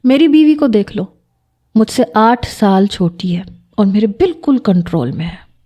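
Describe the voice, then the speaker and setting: A woman's voice: mid-range voice, lively intonation, dark tone, natural voice. A woman voicing a pushy married man who coaxes his friend with bossy advice. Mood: coaxing.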